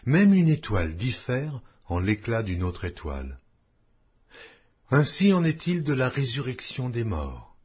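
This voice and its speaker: A man reading scripture aloud in a slow, measured, expressive way, with a husky voice. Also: medium pitch. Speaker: Bible reader. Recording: dull lo-fi audio.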